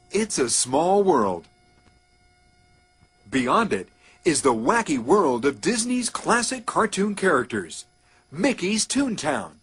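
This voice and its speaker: A man's voice: a little high, fairly bright tone, slightly rough. A man delivering a scripted, formal transit-style announcement and tour narration for passengers. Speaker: theme park monorail announcer.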